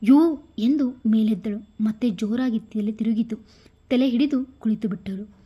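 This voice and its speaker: A woman's voice: a little high, fairly even intonation, moderate pace, breathy edge, muffled recording. A woman with a Kannada accent narrating a serialized story, reading all the parts herself. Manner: reads every part herself, quotes louder than the narration. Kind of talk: scripted story narration with dialogue.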